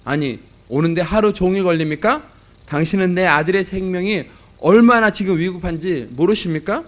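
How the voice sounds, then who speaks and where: A man's voice: sits high, normal speed, close to an everyday voice. A man voicing an angry father who demands answers from a doctor in a story told during a sermon. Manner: shouting accusations. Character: angry frantic father of injured boy.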